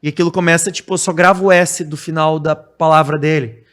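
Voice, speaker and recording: A man from Brazil, a podcast guest talking casually in a blunt, direct way and growing animated when he explains. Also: fairly high pitch, a little fast. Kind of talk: casual conversation.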